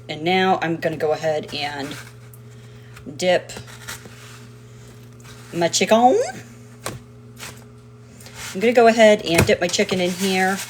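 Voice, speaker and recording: A woman's voice: fairly low pitch, a little hiss or hum. A woman hosting a casual home cooking video, chatty and rambling, with playful sing-song nonsense rhymes. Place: home kitchen.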